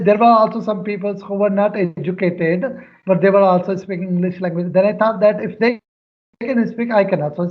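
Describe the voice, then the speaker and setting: A Pakistani man, Sindhi by first language, answering questions in careful, earnest English with frequent hesitations. His voice sits notably high. The audio comes over a muffled, lo-fi online call. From Pakistan, near Karachi. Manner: earnest, careful, pausing often with filler sounds. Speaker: guest, schoolteacher. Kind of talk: casual English practice conversation.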